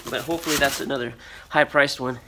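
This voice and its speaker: A man's voice: mid-range voice, steady tone, quick pace. A middle-aged American man giving casual, unscripted commentary while unboxing, rambling and thinking aloud. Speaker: vlogger, storage auction buyer and reseller. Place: storage unit with concrete floor. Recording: noisy handheld recording, crinkling and clicks. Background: loud rustling, crumpling and clicking.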